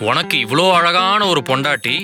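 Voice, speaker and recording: Fed-up young husband, a guy acting it, kinda high voice, music playing underneath. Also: expressive, moderate pace, lightly acted. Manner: exasperated, rising to angry shouts. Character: exasperated young husband with forgetful wife. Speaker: husband narrating to camera. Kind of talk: comedy web series acting. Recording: music bed under dialogue.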